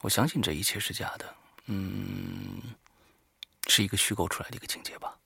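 Low, gravelly, hesitant man hosting. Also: fairly even intonation, moderate pace, bright, forceful tone, no room sound, clean studio sound. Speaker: host of an audio horror story show. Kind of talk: informal spoken monologue to listeners. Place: recording studio, alone.

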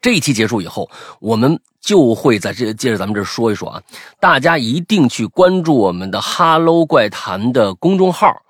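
A man's voice: mid-range voice, big pitch swings, normal speed, slightly rough, dry recording, studio quality. A man hosting a podcast, chatting casually and reading out listener stories, rambling with many restarts. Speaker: podcast host.

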